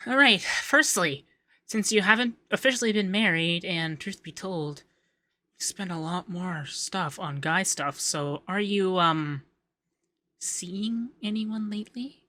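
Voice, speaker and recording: Bright, flustered young femboy tax man, acted by a man. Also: sits high, slow, full character voice. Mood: shy, hesitant. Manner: stammering, shy, teasing. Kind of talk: ASMR roleplay, acted straight to the listener.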